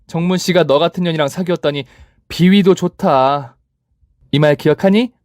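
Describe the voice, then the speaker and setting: A man's voice: on the high side, sing-song, normal speed, dry recording, clean studio sound. A man voicing a tough, vengeful young woman who mocks with crude insults. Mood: gloating. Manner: taunting, crude.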